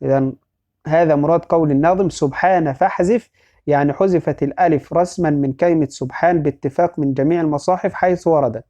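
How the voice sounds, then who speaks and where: A man teaching a recorded religious lesson, explaining patiently, repeating phrases and quizzing listeners, and slowly chanting verse and poem lines. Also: on the high side, mellow. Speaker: teacher of Quran orthography. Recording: dull lo-fi audio.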